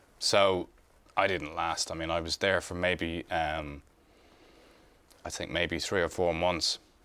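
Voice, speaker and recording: In an Irish accent, a man with a very deep, low voice speaks in a monotone, flat intonation. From Ireland, north Dublin. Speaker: leadership and wellness coach. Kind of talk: interview.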